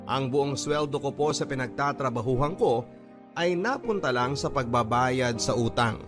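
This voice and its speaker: A man's voice: mid-range voice, normal speed, music in the background. A man with a Filipino accent narrating a first-person dramatised letter in an earnest storytelling manner.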